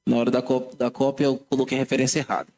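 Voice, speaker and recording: A man's voice: medium pitch, level tone, very fast, a little mellow. A man with a Brazilian Portuguese accent, a pastor teaching a Bible class in church, talking conversationally and correcting himself as he goes. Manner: conversational, self-correcting, addresses congregation directly.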